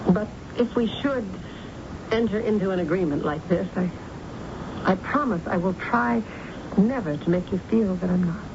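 An actress playing a practical, honest mother in a radio drama, speaking in a measured, candid way. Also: mid-range voice, natural voice. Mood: candid, soft. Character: practical, honest mother negotiating with her suitor. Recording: muffled, noisy old radio recording.

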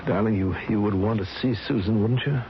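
An actor playing a distraught, doting husband in a 1970s radio drama, speaking in a faltering, helpless way. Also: male voice, lowish voice, close to an everyday voice. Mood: pleading, tender. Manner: halting, faltering, repeating himself. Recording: muffled, very noisy old radio broadcast.

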